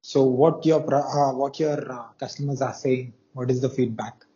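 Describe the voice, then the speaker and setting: A man interviewing a guest, asking halting questions with many fillers. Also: medium pitch, steady tone, dark tone. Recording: dull lo-fi call audio.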